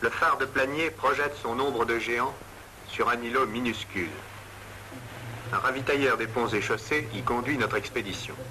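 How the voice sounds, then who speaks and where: The speech moves at a moderate pace with fairly even intonation and long, frequent pauses over light background noise. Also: man. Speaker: documentary narrator. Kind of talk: documentary narration. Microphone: old recording.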